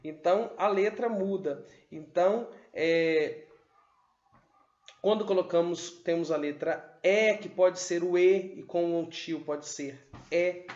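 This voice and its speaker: Male teacher, slow and deliberate, sounds out syllables; dull, roomy recording. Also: on the high side, darkish tone. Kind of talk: whiteboard lesson on literacy. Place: room with a whiteboard.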